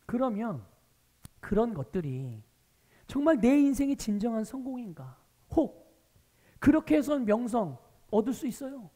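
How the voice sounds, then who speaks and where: A male pastor preaching a Sunday sermon, animated, asking the congregation rhetorical questions. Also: extremely high pitch, normal speed, pauses often, big-room sound. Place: church sanctuary.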